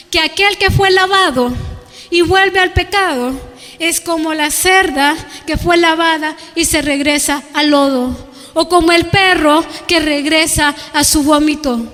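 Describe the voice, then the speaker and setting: A woman's voice: sits high, a bit bright. A woman guest preacher delivering a fervent evangelical sermon, asking her congregation rhetorical questions and calling them brothers and sisters. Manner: addresses listeners as brothers and sisters. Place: church. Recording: long reverb of a church hall.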